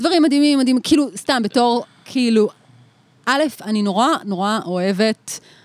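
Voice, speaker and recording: A woman speaks in a high voice with lively intonation, stopping often for long pauses. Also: moderate pace. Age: 30s. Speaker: journalist. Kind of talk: casual chat.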